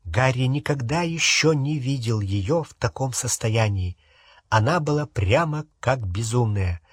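Slow, husky male audiobook reader. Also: mid-range voice, no echo, studio quality. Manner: unhurried, expressive reading. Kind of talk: audiobook narration.

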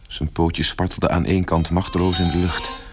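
A man's voice: low voice, level tone, fairly quick. A man narrating a scripted radio play as its storyteller. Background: music.

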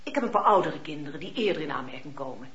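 An actress playing a demure, formal old spinster who runs an orphanage in a radio drama, deferential and hesitant. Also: female voice, low-pitched, animated, fast talker, fairly bright tone. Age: older. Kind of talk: Dutch radio drama acting. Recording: dull noisy radio drama recording.

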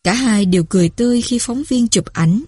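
A woman narrating a story in a measured, even reading voice. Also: on the high side, slightly rough, no room sound, clean studio sound.

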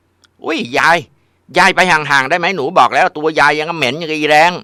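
Man doing a shrill bratty teen girl. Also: fast talker, no room sound, clean studio sound. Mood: scornful shouting. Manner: whiny, shouting insults. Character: spoiled rude teenage girl, shrill and bratty.

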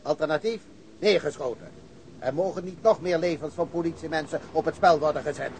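An actor playing a formal, self-assured police chief giving orders in a radio drama. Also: male voice, a little high, fairly quick, a little mellow, a little hiss or hum, lightly acted. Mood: official, firm. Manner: formal, official phrasing. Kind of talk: Dutch radio drama acting.

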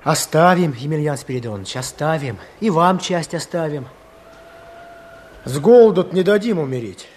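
An actor playing an earnest, businesslike village man with a husky voice in a radio play. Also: fairly high pitch, lively intonation, normal speed, a little mellow. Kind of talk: Soviet radio play acting.

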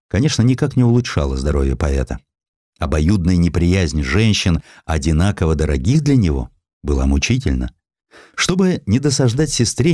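Deep-voiced male narrator, expressively intoned. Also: darkish tone, dry recording, clean studio sound. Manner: measured, dramatic storytelling. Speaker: audiobook narrator. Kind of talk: expressive literary narration of a historical essay. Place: dry studio.

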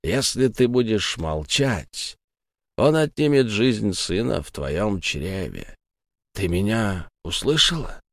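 A man voicing a stern, vengeful male ghost who interrogates in a slow, menacing tone. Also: lowish voice, big pitch swings, no echo, studio quality, exaggerated voice. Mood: interrogating.

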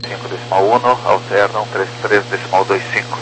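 A man's voice: lowish voice, fairly even intonation, fairly quick. Man on humming, crackly aviation radio. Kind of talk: clipped aviation radio phraseology. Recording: humming, noisy radio transmission.

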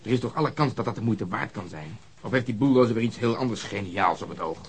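An actor playing a gruff, brooding, stubborn police detective in a radio drama, with a grumbling, sardonic manner. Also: male voice, lowish voice, animated, fast talker. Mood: persistent, grumbling.

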